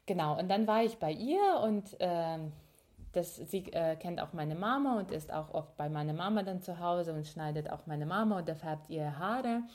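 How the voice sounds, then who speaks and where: A young Ukrainian woman co-hosts a podcast, chatting casually and reflecting as she thinks aloud, with fillers and restarts. Her voice is lowish and darkish in tone, animated, at a normal speed.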